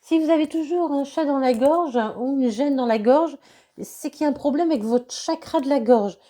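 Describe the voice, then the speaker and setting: A woman's voice: sits high, moderate pace, mellow. A woman with a cold, giving a tarot reading in a hesitant way, with many fillers and repeated phrases. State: has a cold. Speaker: tarot reader.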